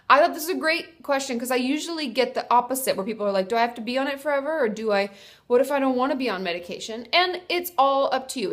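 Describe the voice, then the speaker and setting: A young woman therapist with a congested, stuffy voice from a cold. She sounds a little tired as she talks through viewer questions and reads them out in a friendly, explaining way. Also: a little high. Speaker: therapist and video host. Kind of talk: casual advice talk to camera.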